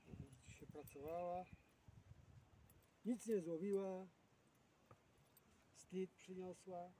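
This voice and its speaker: A man's voice: high voice, takes it slowly, warm tone. A man, a fishing vlogger, talking casually to himself outdoors in short, rambling fragments. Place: outdoors at a fishing spot, windy. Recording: noisy outdoor recording, far from the mic.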